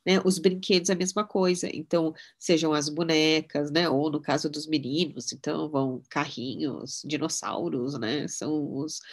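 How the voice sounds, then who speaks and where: Chatty middle-aged woman, low voice. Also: normal speed, hardly any pauses. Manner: chatty, relaxed, often adds "né?" tags. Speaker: mind-mapping instructor. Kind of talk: casual teaching talk with personal anecdotes.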